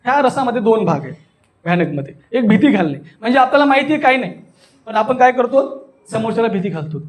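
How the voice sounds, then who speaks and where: This is a man with a strikingly high-pitched voice and a Marathi accent. He teaches like a stage performer, putting questions to his listeners and acting out what he explains. The delivery is that of an animated workshop instructor. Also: fast talker. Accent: Marathi, Maharashtra. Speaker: voice and public speaking workshop instructor. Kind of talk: animated classroom teaching with acted demonstrations.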